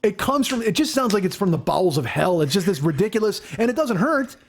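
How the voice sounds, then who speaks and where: A man in his forties hosting a podcast, telling stories in a casual, profane, animated way. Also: sits high, quick pace, gravelly, heavy background noise. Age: 40s. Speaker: podcast host. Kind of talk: casual chat.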